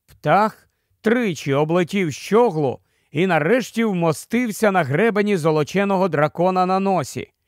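A man reading a storybook aloud as narrator, in a measured, expressive way. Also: sits high, no room sound, studio quality. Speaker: audiobook narrator.

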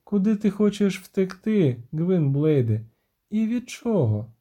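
A man's voice: sits high, very animated, takes it slowly, dark tone, pitched above the performer's own voice, exaggerated voice. A man voicing a stern, regal female dryad queen who speaks reproachfully, as a storybook reading. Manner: reproachful, questioning.

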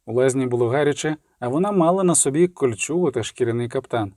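A man narrating an audiobook in a steady, even storytelling manner. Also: medium pitch, quick pace, no echo, clean studio sound.

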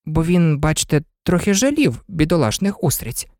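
Polite storybook girl read by a woman, earnest, expressive, dry sound. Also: low voice, moderate pace, no echo. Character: sensible polite young girl.

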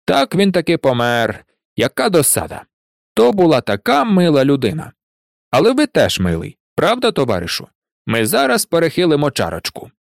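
A man's voice: huge pitch swings, moderate pace, creaky, no echo, clean studio sound, exaggerated voice. A man voicing a cunning, chatty old male peasant gravedigger who coaxes and pleads in a raised voice, in an audiobook. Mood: cajoling. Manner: cajoling, higher and louder than the narration.

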